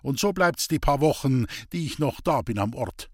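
A man's voice: mid-range voice, animated, moderate pace, dry recording, clean studio sound, lightly acted. A man voicing a weary, bitter old village woman speaking in Bavarian dialect in a storybook reading. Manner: plaintive, bitter, resigned.

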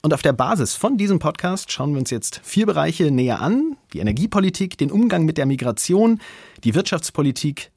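A man's voice: fairly high pitch, very animated, fairly quick, vocal fry, a little mellow, breathy edge, dry recording. A man hosting a radio talk show from a studio, introducing guests in an upbeat way. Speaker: host.

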